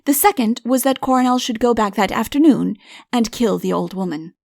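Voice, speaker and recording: A woman's voice: on the high side, expressive, moderate pace, vocal fry, darkish tone, no room sound, studio quality. A woman reading a comic fairy tale as an audiobook narrator, in scripted storytelling style.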